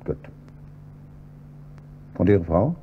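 An actor playing a calm, probing police inspector who heads homicide in a radio drama, with a dry, measured delivery. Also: male voice, low voice, full character voice. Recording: dull, slightly noisy audio with hum.

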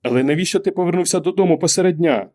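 Guy putting on a worried fed-up wife, higher voice, keeps pushing with questions. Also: racing, a little mellow, lightly acted. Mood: pleading. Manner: pressing, insistent questioning. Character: anxious middle-aged wife, exasperated and pleading. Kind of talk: audiobook character voice.

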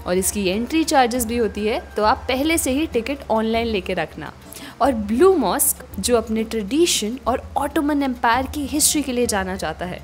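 A young woman narrating a travel vlog voice-over in a calm, informative storytelling manner. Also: fairly high pitch, slight background noise. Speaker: travel vlogger.

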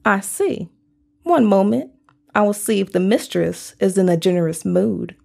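A man voicing a stiff, formal farmhouse servant who speaks coolly and high. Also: animated, measured pace, vocal fry, music in the background, heavily acted. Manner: formal, cool.

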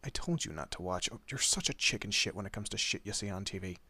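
A man plays a male monster detective in a horror audio roleplay. His voice is low and husky with a bright, forward edge. He talks casually, needling his human partner while looking out for them. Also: animated, fast, no room sound, exaggerated voice. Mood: teasing, bickering. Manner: casual, teasing, muttered asides. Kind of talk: horror roleplay audio drama, addressing the listener.

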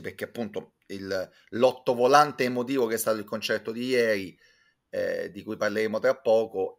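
A man's voice: on the low side, fairly bright tone. A man, giving discursive, learned, self-ironic commentary as a guest on a video call. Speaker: guest reviewer, culture commentator. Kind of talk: conversational critical commentary. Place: indoors, small room with bookshelves. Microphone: video call, close to webcam.

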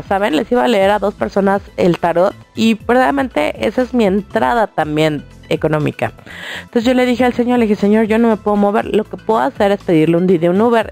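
A woman's voice: medium pitch, vocal fry, a little mellow. A woman with a Mexican accent, hosting a radio show and chatting casually, telling a long personal story straight to her listeners. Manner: chatty, colloquial, addresses listeners directly.

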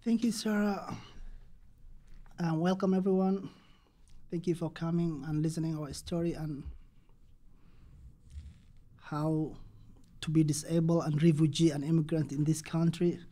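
A young Somali man presents on a panel in second-language English, speaking very slowly with pauses and restarts. His voice is fairly high yet soft and dark, and his tone stays steady.

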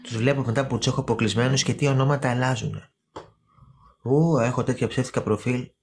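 A woman's voice: very deep voice, fairly even intonation, a little mellow. Chatty woman gossiping on a live stream. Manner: gossipy, chatty, talks straight to viewers by name; repeats words and names for emphasis. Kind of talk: casual live-stream chat.

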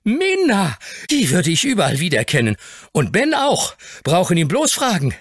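A husky-voiced man voicing an excitable young street bootblack who talks in a hasty, sharp-tongued rush. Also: on the high side, moderate pace, no room sound, studio quality, voice pushed up, exaggerated voice. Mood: indignant.

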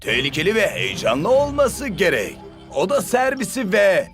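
A man's voice: sits high, wildly swooping pitch, normal speed, a bit bright, full character voice. A man voicing an eager young footballer who loves adventure, in a dubbed cartoon, with a theatrical, swooping delivery. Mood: excited. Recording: music bed under voice.

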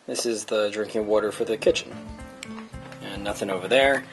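A young man narrating a hands-on plumbing demonstration, explaining each step in a relaxed, casual way with fillers. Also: lowish voice, moderate pace, faint music behind. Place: indoors in a tire-walled building under construction.

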